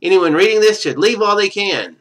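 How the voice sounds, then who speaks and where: A man's voice: sits high, lively intonation, brisk, a bit bright, pitched above the performer's own voice. A man voicing a ruined trader's journal from a visual novel, read aloud in an earnest storytelling way. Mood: grave, urgent. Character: ruined male trader writing in his journal. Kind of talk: reading a journal aloud in a game.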